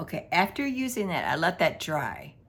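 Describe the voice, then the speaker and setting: A woman's somewhat breathy voice moves through very wide pitch swings. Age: 80s+. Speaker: senior lifestyle vlogger. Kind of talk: casual talk to camera. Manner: informal, candid.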